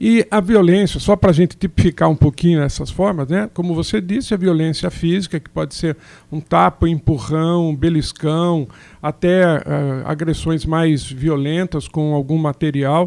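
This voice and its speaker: At a fairly slow pace, a man speaks in an unremarkable speaking voice, fairly high in pitch with ordinary variation, the sound dry and close with no echo. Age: 60s. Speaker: physician and professor. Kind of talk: radio interview.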